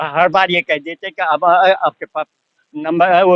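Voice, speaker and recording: A man's voice, high in pitch. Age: 70s. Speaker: farmer. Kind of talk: street interview.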